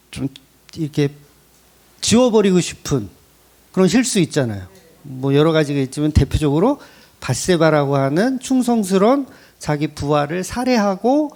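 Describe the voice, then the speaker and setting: A man preaching a sermon as a pastor, speaking conversationally and asking his congregation questions. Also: a little high. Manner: lively, rising emphasis. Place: church.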